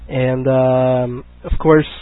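A man with a husky voice, sick this week, hosting a casual fan talk show and chatting in a joking, rambling way. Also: mid-range voice, little pitch movement, extremely slow, a little hiss or hum. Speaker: podcast host. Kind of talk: casual chat. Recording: lo-fi phone-like internet stream.

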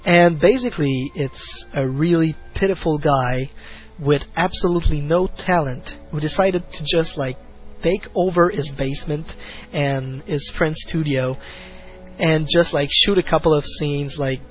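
Hosting a laid-back fan talk show as a podcast host, this man speaks a little slowly in a fairly high voice, wandering through his thoughts with frequent fillers and false starts. Faint music sits under the muffled, lo-fi recording.

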